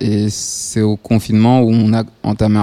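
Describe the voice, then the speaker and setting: A man with a fairly low pitch and a dark, mellow tone is heard in a dry, close sound with no echo. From Rwanda. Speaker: soul musician. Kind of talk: radio interview. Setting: festival live radio booth.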